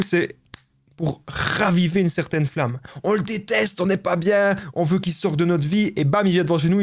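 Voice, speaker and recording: Belgian coach, male, high voice; pushes the point, repeats himself, speaks to viewers as friends. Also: darkish tone. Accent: Belgian French. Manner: emphatic, repetitive, addresses viewers as friends. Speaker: relationship coach. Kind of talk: direct-to-camera advice monologue.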